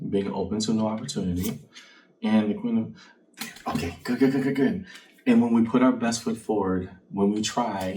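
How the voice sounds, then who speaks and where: A man with a fairly low voice gives a tarot reading in a conversational fortune-teller manner. He is reflective, posing questions straight to the listener. He sounds slightly away from the mic, with faint noise in the recording. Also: darkish tone, far from the mic, low-quality recording. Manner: reflective, addresses listener directly, rhetorical questions. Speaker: tarot card reader, channel host.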